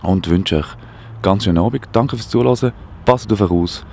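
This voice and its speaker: A man's voice: lowish voice, moderate pace, gravelly, dark tone, husky. A man with a Swiss German accent hosting a satirical radio show, talking outdoors in a rambling, sarcastic, mock-alarmed way. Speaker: radio host. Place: outdoors, walking.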